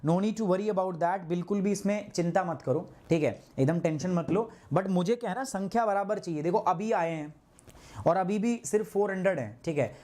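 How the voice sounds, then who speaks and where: Teaching a live online class, this man switches between Hindi and English, repeatedly saying "ठीक है" as he checks in with students. His high voice is mellow and moderately paced, while his manner is chatty and scolding.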